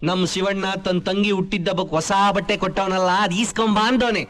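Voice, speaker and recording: A man's voice: high voice, fairly even intonation, fast talker, a bit bright. A blustering village henchman. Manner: blustering, threatening. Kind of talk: film comedy scene.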